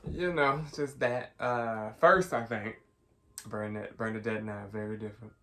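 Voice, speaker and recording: A man's voice: lowish voice, steady tone, moderate pace, bright, forceful tone. A young man co-hosting a podcast with his wife, chatting casually, laughing often and trailing off mid-sentence. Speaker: podcast co-host. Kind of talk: casual chat.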